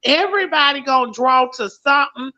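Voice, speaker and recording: A woman's voice: high voice, fairly quick, pushed and bright. A blunt, profane woman, hosting a casual talk show. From Mississippi, US. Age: late 30s. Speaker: host. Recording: lo-fi stream audio.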